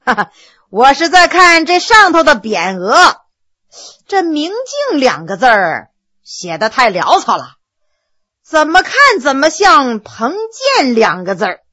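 Brief: swaggering male rogue in a told story, woman performing, teasing, husky, high-pitched. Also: sing-song, a little slow, heavily acted. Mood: mocking. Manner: teasing, laughing, loud outbursts. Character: cheeky roguish male general, mocking and brash.

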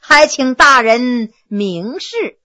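A woman's voice: fairly high pitch, animated, slow, full character voice. Woman playing a cheeky roguish general. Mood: mocking. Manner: teasing, laughing, loud outbursts. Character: cheeky roguish male general, mocking and brash.

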